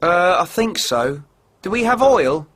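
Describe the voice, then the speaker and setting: A man's voice: high voice, very animated, a little slow, fairly bright tone, slightly rough. A man in a scripted textbook dialogue, talking in a hesitant, chatty way.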